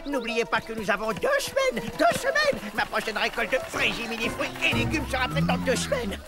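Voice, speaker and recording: An actor voicing a fussy, excitable elderly little farmer creature in a children's cartoon, exclaiming and rattling off lists. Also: medium pitch, a little fast, loud music behind the voice, natural voice. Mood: anxious, insistent. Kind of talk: animated children's cartoon dub.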